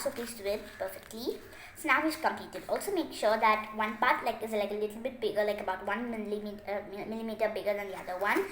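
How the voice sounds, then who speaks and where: A woman's voice: mid-range voice, a bit bright. A woman hosting a craft tutorial, giving step-by-step instructions in a chatty, repetitive teaching manner. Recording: echoey room, faint noise, clicks.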